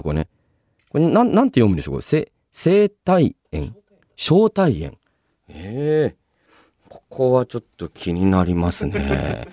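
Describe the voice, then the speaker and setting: Guy doing a chatty radio host thing, lowish voice that bounces around a lot, polite but casual, super dry studio sound. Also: dark tone, no room sound. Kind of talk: casual solo radio talk, reading listener mail.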